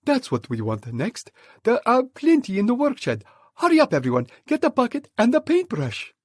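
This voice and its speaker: A man voicing a clever, bossy monkey father in a storybook audiobook, with an excited, commanding manner. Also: very high-pitched, moderate pace, dry recording, studio quality, pitched above the performer's own voice, heavily acted. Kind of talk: audiobook character voice.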